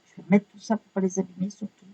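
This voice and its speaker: A woman chatting casually while unboxing art supplies, excitable, swearing lightly and apologizing often. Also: mid-range voice, quick pace, breathy edge, dull audio.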